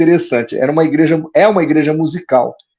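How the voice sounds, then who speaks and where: The man's pitch is high, his tone dark and mellow. He speaks at a fairly quick pace. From Brazil, interior of São Paulo state. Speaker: pastor and apologist. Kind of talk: interview testimony.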